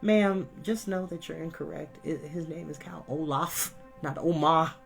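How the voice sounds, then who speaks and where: A man's voice: on the high side, fairly even intonation, gravelly, faint music behind, voice pushed up. A man doing a wheezing, scratchy sly villain. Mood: scheming. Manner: drawling, smug, slow. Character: sinister vain male villain in disguise.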